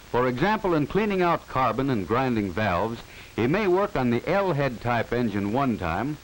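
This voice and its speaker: Old timey american guy narrating an educational film, formal but really varied pitch, bit of hiss on the track. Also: low-quality recording. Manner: formal, instructive, clearly enunciated. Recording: hissy 1940 film soundtrack. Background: steady hiss.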